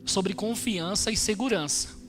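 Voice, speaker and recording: A man quoting a woman friend who calmly proposes a test. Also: high-pitched, a little slow, faint music behind.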